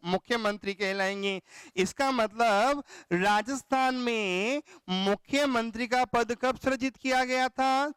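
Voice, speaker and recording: High-voiced man teaching exam prep. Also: a bit bright, clean tone, no room sound. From Rajasthan, India. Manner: call-and-response questioning, answering his own questions. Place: classroom or studio.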